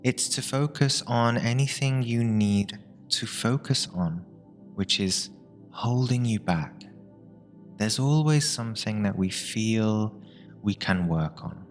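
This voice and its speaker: A man with a fairly low voice leads a guided meditation. He speaks very slowly and soothingly, breaking his sentences into short phrases with long pauses. Music plays behind him. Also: lively intonation. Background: meditation music with binaural tones.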